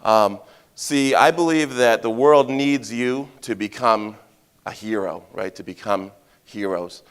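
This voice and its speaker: A middle-aged man from Maine, a heroism educator giving a loud, chatty talk on a conference stage, often checking in with the audience with "right?". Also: lowish voice, slow pace, clean tone. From Maine, USA. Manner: loud, chatty, jokey, asks the crowd questions, many "right?" tags. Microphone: handheld or stage mic.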